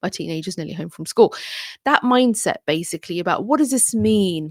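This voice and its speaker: This woman has a normal speaking voice at a medium pitch, with lively intonation. The recording is very clean with a silent background, and the sound is dry and close with no echo. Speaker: PR consultant and content creator. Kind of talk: casual talking-head monologue. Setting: home desk with camera. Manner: many fillers (um, sort of).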